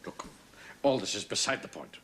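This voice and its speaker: Give me a pompous, self-important middle-aged officer in a 1970s sitcom. His indignant voice is bright and it rises and falls a lot. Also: fairly low pitch, lively intonation, normal speed.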